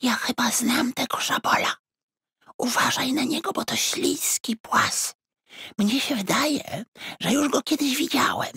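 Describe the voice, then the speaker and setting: A man's voice: extremely high pitch, measured pace, gravelly, bright, forceful tone, husky, dry recording, studio quality, voice pushed up, exaggerated voice. A man voicing a cheeky, gossipy little rodent in a children's audiobook. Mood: conspiratorial. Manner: gossipy, cackling. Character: cheeky, food-obsessed little male pocket rodent.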